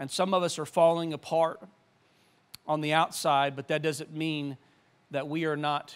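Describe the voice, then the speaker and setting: A man with a plain, everyday voice, fairly high pitch, moderate pace and fairly even intonation. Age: 40s. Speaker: pastor. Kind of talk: sermon. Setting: church service streamed online.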